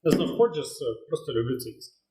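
A man's voice: fairly high pitch, big pitch swings, quick pace, mellow. A man co-hosting a cocktail show, chatting casually and joking. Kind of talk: casual chat. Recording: echoey room.

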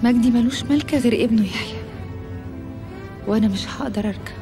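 A woman's voice: fairly high pitch, fast, over music, lightly acted. Woman playing a guarded, determined young woman. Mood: brooding. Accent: Egyptian Arabic. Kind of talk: TV drama acting.

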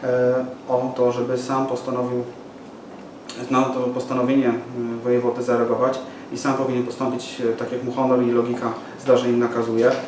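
At a press conference in a small office room with a window, a medium-pitched local party activist in his forties delivers a halting, flat statement riddled with fillers and restarts. Because the camera mic is far off, the recording is roomy, echoey, and noisy.

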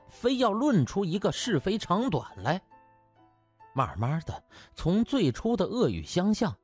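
A man narrating a comic audiobook in a theatrical, colloquial storyteller's manner with a husky voice. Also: a little high, a little mellow.

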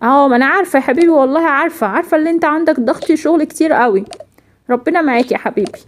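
A woman doing a gentle Egyptian cartoon mother. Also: sits high, rapid-fire, a little hiss or hum, close to an everyday voice. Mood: soothing. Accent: Egyptian Arabic. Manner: soothing, patient, affectionate. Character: gentle caring mother of a young girl.

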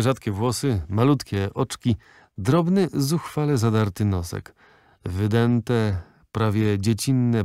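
A man reading a classic novel aloud as an audiobook narrator, in a measured, literary way. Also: on the low side, warm tone, no echo, clean studio sound.

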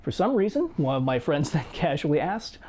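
A man in his thirties reading a scripted personal video essay in a measured, reflective way, seated in a small home studio. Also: on the high side, big pitch swings. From United States. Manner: measured, reflective storytelling with quiet asides. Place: small home studio room with guitars and shelves.

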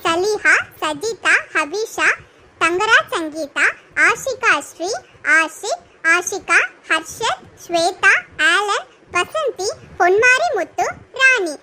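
A woman hosting a cartoon channel, softly and slowly reading out a list of viewer names. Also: extremely high pitch, expressive, slight background noise. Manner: slow, soft, listing.

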